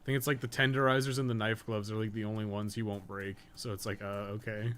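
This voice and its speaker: A man with a slightly low voice gives casual commentary while he plays a game. He rambles and thinks out loud, using slang and swearing freely. There is noticeable background noise under his voice. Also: little pitch movement, fast. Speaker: game livestreamer. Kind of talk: casual gameplay commentary, chatting while playing.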